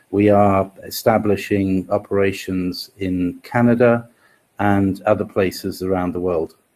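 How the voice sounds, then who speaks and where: With a British accent, a man speaks at a fairly slow pace in a dark, mellow tone and a fairly low pitch. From northern England, Leeds, Yorkshire. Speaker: lawyer. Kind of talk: live Q&A stream. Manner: hesitant, with frequent fillers.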